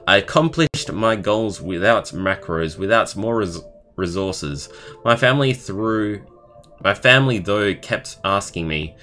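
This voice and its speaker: Low-voiced young man streamer, bright tone. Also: lively intonation. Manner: halting, stumbling over words while reading. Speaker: live streamer. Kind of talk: reading a viewer's story aloud with casual reaction comments. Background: background music.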